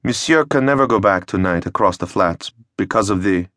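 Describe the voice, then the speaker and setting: Pompous village mayor read by a man, halting and ponderous, dry storybook voice. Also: on the low side, expressive, fairly bright tone, no room sound.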